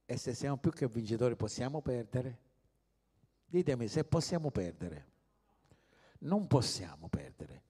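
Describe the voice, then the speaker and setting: Un uomo che predica un sermone con fervore, passando da toni sommessi a slanci forti e interpellando i fedeli. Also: male voice, medium pitch. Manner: rousing preacher, swings from hushed to loud, calls to the congregation. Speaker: pastor. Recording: long hall reverb.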